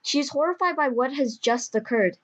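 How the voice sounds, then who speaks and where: A woman's voice: sits high, animated, fairly quick, a bit bright. A woman reading scripted story narration as the narrator of an audio drama.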